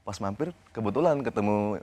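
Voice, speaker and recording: A young man, a guest on a TV interview, recounting events in a halting, informal way. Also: on the low side, warm tone. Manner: halting, informal, retells conversations step by step.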